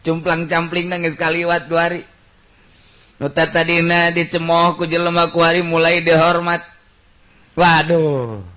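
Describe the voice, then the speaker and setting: A man's voice: a little high, a little slow. A man preaching through humorous storytelling, colloquial and acting out dialogue as he goes. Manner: colloquial, animated shifts between character voices. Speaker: Islamic preacher.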